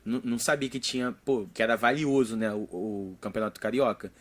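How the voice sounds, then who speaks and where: A man's voice: fairly low pitch, steady tone, fairly quick. A young man co-hosting a casual sports podcast, rambling with lots of fillers. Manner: rambling, filler-heavy, laughs a lot. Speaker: podcast co-host.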